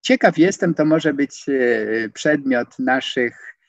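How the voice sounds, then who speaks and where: A man in his sixties giving an online lecture from a home study, hesitating with many fillers and stressing words with rising pitch. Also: expressive, slow, dry recording. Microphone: video call. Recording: dull, dry video-call audio.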